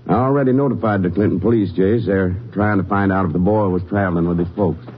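An actor playing a plain-spoken small-town Texas sheriff in a 1950s radio drama, laconic and folksy. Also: male voice, deep voice, quick pace, natural voice. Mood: matter-of-fact. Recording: dull, noisy old radio recording.

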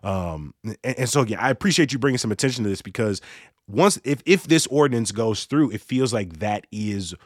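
A man's voice: fairly low pitch, animated, a little fast, no echo. Male podcast host, reflective, dry close recording. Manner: reflective, with repeated words as he thinks aloud. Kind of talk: casual news discussion.

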